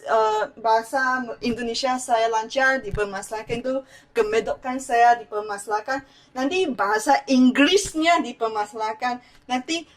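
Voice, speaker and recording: A young woman from Malaysia speaks to her channel with a Malaysian accent. She is animated and indignant, shifting between languages. Her voice sits a little higher than most. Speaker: YouTuber. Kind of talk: vlog rant.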